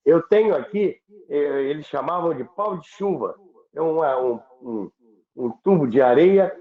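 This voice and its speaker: A man with a Brazilian accent telling stories conversationally as a radio history commentator, stressing points through repetition and lists. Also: on the high side. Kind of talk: conversational storytelling. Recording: thin phone-like sound, roomy echo.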